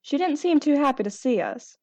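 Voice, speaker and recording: Casting: skeptical twin played by a woman, fairly high, fast, dismissive, audio drama. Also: expressive, a little mellow, dry recording, dull audio. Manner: dismissive, matter-of-fact. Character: unbothered, skeptical twin sister.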